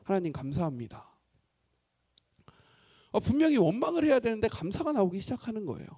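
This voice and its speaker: A male pastor preaching a sermon in a conversational, animated way, often acting out quotes. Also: very high-pitched, very fast, husky, no room sound, clean studio sound.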